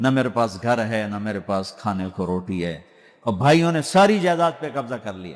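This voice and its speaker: His pitch leaps and drops over a very wide range. The man's voice otherwise sits at a medium level. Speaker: Islamic preacher. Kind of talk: religious sermon.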